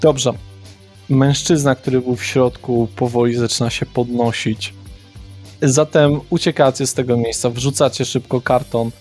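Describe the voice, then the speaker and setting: A man narrating a tabletop game as game master, describing scenes slowly and deliberately, with hesitant pauses. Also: mid-range voice, steady tone, darkish tone. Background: faint background music.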